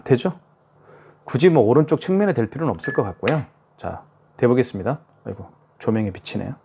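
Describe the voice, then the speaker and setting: A man's voice: mid-range voice, dark tone. Chatty man demonstrating a card terminal. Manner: chatty, self-narrating each step, frequent "자" and "그죠?". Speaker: product demonstrator. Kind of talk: casual product tutorial. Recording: faint hiss with device clicks.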